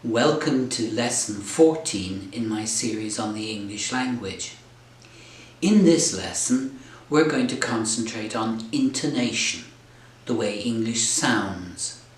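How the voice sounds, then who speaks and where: Slow, deliberate male English tutor. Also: fairly low pitch, lively intonation. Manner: clear, deliberate, encouraging. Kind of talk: slow, careful teaching explanation. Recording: roomy echo.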